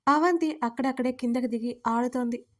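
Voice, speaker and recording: A woman tells a dramatic audio story in a high voice. She reads the characters' dialogue without changing her voice much and keeps an even storytelling delivery. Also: moderate pace. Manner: reads all characters' lines with little change of voice. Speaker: narrator. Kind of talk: storytelling narration.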